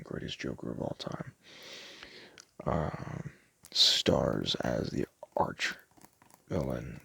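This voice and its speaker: A soft-spoken man doing a casual ASMR roleplay as a store clerk, chatting in a hesitant, rambling way. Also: very deep voice, gravelly, slightly rough.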